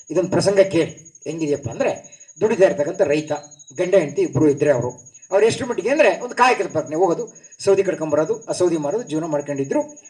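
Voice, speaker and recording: Man, devotional discourse, high voice, storytelling, distant mic in a hall. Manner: animated, storytelling with acted voices. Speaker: speaker at a discourse series. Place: hall at a public function.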